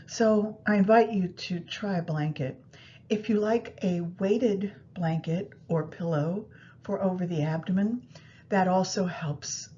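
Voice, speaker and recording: A woman guiding a meditation practice in a soothing, unhurried manner, pausing between phrases. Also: warm tone. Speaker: yoga nidra meditation guide. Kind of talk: guided meditation instruction. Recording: muffled, low rumbling background noise.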